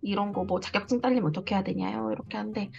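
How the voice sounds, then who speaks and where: A woman's voice: mid-range voice, steady tone, racing, creaky, a little mellow. A woman speaking agreeably and tentatively as a client in a casual online consultation. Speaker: coaching client, tea class instructor. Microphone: video call. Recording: dull lo-fi video call audio. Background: faint guitar music.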